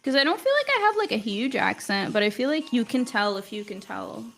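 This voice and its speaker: A young woman with a fairly high, gravelly voice full of fry talks through a live drawing stream. English is not her first language, and she rambles in a loose, chatty way, filling her sentences with "like.". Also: big pitch swings, brisk, fairly bright tone. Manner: chatty, rambling, heavy use of "like". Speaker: art teacher streaming live. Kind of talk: casual livestream chat while drawing.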